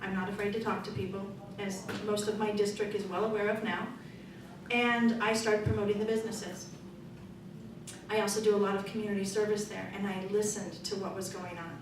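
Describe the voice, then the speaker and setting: A middle-aged woman speaking as a political candidate at a forum, loud and forthright in a conversational way. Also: medium pitch, level tone, brisk. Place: meeting room. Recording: echoey room from far off, noisy.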